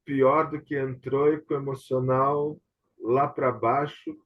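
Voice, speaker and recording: Husky male voice, Brazilian accent, conversational host, hesitant, confirmation-seeking, muffled online-call sound. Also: mid-range voice, level tone, slow. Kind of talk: casual conversation about theatre and television. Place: remote online video session.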